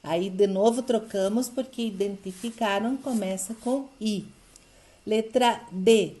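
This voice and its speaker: Brazilian-style teacher checking in often. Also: female voice, mid-range voice, mellow. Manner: explains step by step, checks in with "tá?" and "ok?". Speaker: Spanish teacher. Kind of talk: recorded online review lesson.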